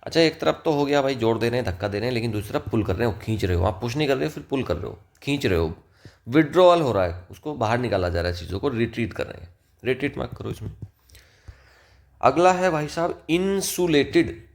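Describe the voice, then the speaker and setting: A man teaching English vocabulary in Hindi, reading English example sentences slowly and talking directly to his students. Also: medium pitch, sing-song, creaky. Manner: conversational, addresses students directly.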